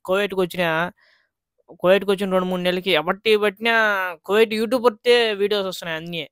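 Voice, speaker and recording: A man's voice: high voice, a bit bright, clear, resonant tone, dry recording. Earnest chatty male vlogger, dry sound. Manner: earnest, chatty, addresses viewers directly. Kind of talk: casual talk to viewers.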